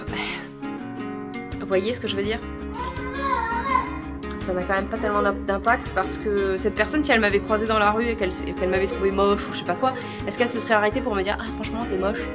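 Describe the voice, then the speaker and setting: A woman vlogger chatting casually to her followers, with a rambling, self-interrupting way of talking. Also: mid-range voice. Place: at home, kitchen.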